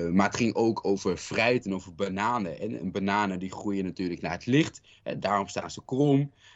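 Moderate pace, fairly low male pitch, and an unremarkable speaking voice from a man. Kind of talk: spoken word performance, rhythmic poetic delivery. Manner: rhythmic, flowing cadence, expressive with street-language rhymes.

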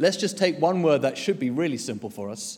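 A man is speaking. His pitch is high. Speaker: preacher. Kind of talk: sermon. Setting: church.

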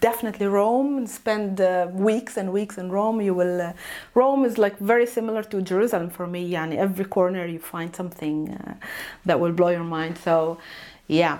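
A woman with an Arabic accent speaks at a medium pitch and a moderate pace. Her tone is dark and mellow, with ordinary pitch variation. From Palestine. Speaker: language teacher. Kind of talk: interview. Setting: video call. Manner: laughs often.

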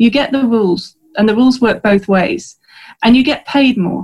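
In a British accent, a woman with a fairly high pitch and ordinary pitch variation speaks at a moderate pace. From Britain. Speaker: history lecturer. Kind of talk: casual chat. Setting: video call.

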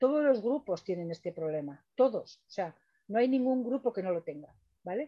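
Using a normal speaking voice, a woman talks at a fairly quick pace with lively intonation, the sound dry and close with no echo. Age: 60s. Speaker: conflict facilitator. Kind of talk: lecture. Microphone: unstable rural internet connection.

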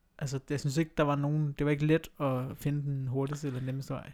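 A man's dark, mellow voice at a fairly high pitch, with monotone, flat intonation and a moderate pace. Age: 20s. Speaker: podcast co-host and scout leader. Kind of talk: casual chat.

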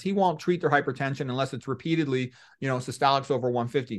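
An American man speaks at a very fast pace with fairly high pitch and ordinary pitch variation over a quiet background. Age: 50s. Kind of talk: lecture. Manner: casual, conversational.

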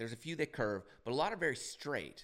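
Speaking at a moderate pace in an animated tone, a man with a Californian accent comes through on a very clean recording with a silent background. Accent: Californian American. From San Diego, California. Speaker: golf podcast host. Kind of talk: casual solo podcast commentary.

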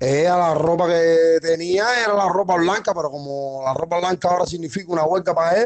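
A high-pitched male voice at a moderate pace with ordinary pitch variation. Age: 60s. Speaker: political prisoner and opposition leader. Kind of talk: testimony.

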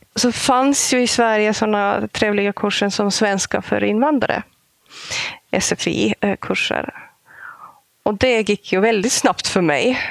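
A woman with an Estonian accent talks at a fairly high pitch and a fairly slow pace, with long, frequent pauses. Her loudness stays very even and her pitch varies in an ordinary way, in a dry, close sound with no echo. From Estonia (Haapsalu). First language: Estonian (speaking Swedish). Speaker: gardener. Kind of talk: interview. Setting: library.

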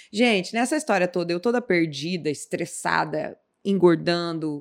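The speaker has an animated tone and very wide pitch swings at a fairly slow pace, in a very clean recording with a silent background. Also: woman. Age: 40s. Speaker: voice-over artist and actress. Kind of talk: casual interview chat.

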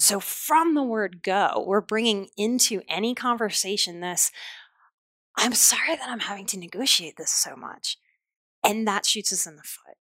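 Her fairly high voice has a bright, sharp tone, lively intonation and big swings in loudness at a moderate pace. The woman is recorded dry and close with no echo, on a very clean recording with a silent background. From New Orleans, Louisiana. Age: 30s. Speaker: therapist and podcaster. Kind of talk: casual interview. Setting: studio, in person.

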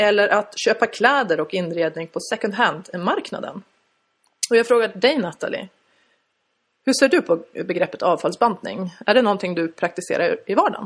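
Her intonation lively, a woman speaks at a medium pitch and a moderate pace. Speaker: podcast host. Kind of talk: casual interview. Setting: office. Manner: hesitant.

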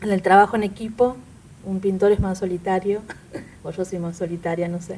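A woman speaks in a dark, mellow tone that is somewhat breathy. Her pace is moderate. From Buenos Aires, Almagro. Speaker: painter. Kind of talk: casual chat.

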